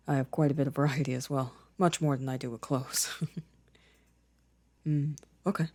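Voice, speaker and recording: A young man playing a gentle, shy, affectionate boyfriend in an ASMR roleplay, speaking softly and hesitantly with careful phrasing. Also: mid-range voice, fairly even intonation, moderate pace, a little hiss or hum, lightly acted. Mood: gentle, attentive.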